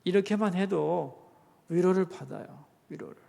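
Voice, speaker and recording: A man's voice: high-pitched, moderate pace, creaky, dark tone, big-room sound. A middle-aged male pastor giving an earnest sermon, often asking the congregation questions. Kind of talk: sermon Bible lecture. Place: church sanctuary.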